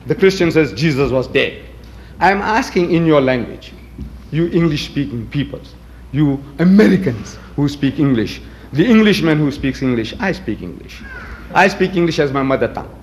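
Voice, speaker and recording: A man's voice: fairly high pitch, animated, normal speed. A man from South Africa with Gujarati as his first language, giving an emphatic, rhetorical lecture and acting out debates. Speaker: public speaker on religion. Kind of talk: lecture to an audience.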